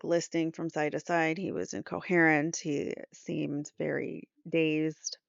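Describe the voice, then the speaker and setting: Female recap host, middle-aged, gravelly fry, reads updates with off-the-cuff commentary, dry and slightly lo-fi recording. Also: fairly low pitch, a little mellow, no echo. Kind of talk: live trial recap, reading posts aloud with casual asides.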